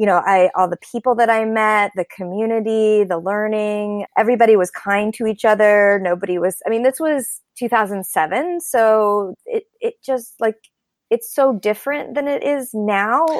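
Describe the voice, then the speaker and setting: A woman's ordinary speaking voice at a fairly high pitch with an American accent, moderate pace, hardly any pauses, ordinary pitch variation and a dry, close sound with no echo. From Oklahoma. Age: 40s. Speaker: yoga and Pilates educator. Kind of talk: interview.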